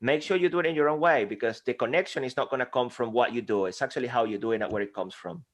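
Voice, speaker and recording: A man's voice: mid-range voice, fast talker. Passionate man with a Venezuelan accent. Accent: Venezuelan Spanish. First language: Spanish. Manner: animated, passionate, acts out dialogues. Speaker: guest speaking coach. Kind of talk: energetic interview conversation. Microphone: desk microphone.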